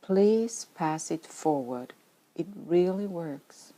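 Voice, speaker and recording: Slow, low-voiced Swedish woman reading. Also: expressive, dark tone. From Sweden. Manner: earnest, reflective, at times dropping to a whisper. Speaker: author reading her own story. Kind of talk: reading a personal spiritual memoir.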